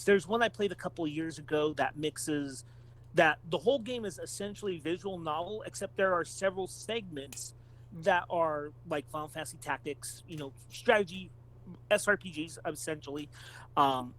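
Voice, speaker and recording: High-pitched man in casual conversation. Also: fairly bright tone, poor audio. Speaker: podcast co-host. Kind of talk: casual chat about video games.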